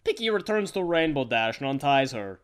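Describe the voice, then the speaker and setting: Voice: medium pitch, sing-song, brisk, smooth, close to an everyday voice. A performer voicing a deranged, obsessive female cartoon pony who talks in a stilted, theatrical way and calls herself by name in a comedic parody. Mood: brooding, sinister.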